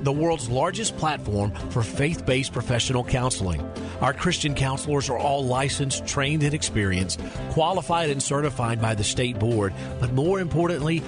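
Male radio ad narrator over music. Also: medium pitch. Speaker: commercial announcer.

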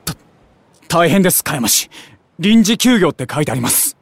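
A man's voice: fairly high pitch, big pitch swings, moderate pace, gravelly, no echo, heavily acted. A man playing an eager, geeky young junior in a voice drama, talking in gamer slang with casual politeness. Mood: dismayed. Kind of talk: Japanese voice drama acting.

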